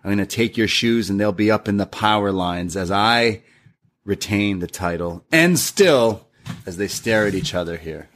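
A young man casually recapping a wrestling show, retelling lines in a lively, animated way. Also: fairly low pitch, normal speed. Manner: lively recap with acted-out quotes.

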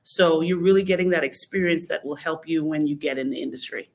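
A woman from the Bahamas, a podcast guest, answering interview questions in a measured, explanatory way with frequent fillers. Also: sits low.

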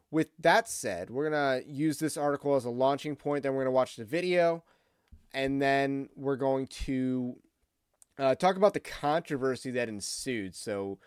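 A man's voice: mid-range voice, smooth, dry recording. Man commentator with clean, dry voice. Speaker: commentary channel host. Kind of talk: informal opinion commentary on news.

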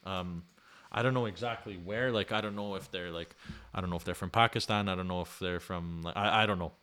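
A man's voice: deep voice, a little fast, pushed and bright. A young man, rambling casually as a podcast co-host, full of slang, fillers and swearing. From Montreal, Canada. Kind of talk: casual chat.

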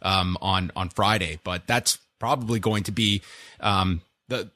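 Chatty, sarcastic Canadian podcast host. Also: male voice, low voice, fairly even intonation, unhurried, bright, forceful tone, no room sound. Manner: chatty, dry sarcastic humor. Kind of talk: casual chat.

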